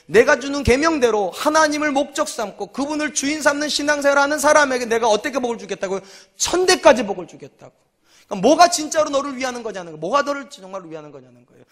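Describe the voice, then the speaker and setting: A man's voice: very high voice, a bit bright. A male senior pastor preaching a sermon to his congregation. He asks rhetorical questions and repeats key lines for emphasis. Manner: acts out quoted voices in short dialogues.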